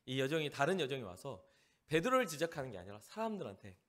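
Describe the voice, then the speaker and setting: A man from Jeolla, South Korea, preaching as a pastor at a youth service, animated and acting out the people he describes. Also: medium pitch, quick pace. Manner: animated, acts out the lines of the people in the story.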